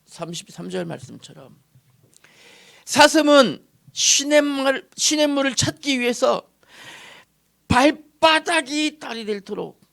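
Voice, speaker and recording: A male pastor preaching a sermon in a church, posing questions to the congregation and answering them himself, moving from loud emphasis to soft murmurs. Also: very high voice, expressive, slow pace, vocal fry, long pauses. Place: church sanctuary.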